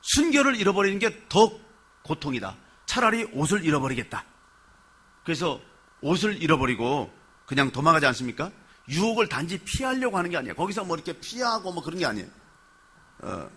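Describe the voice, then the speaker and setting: A male pastor preaching a sermon, telling the story with animated flair and putting questions to the congregation. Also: medium pitch, slightly rough.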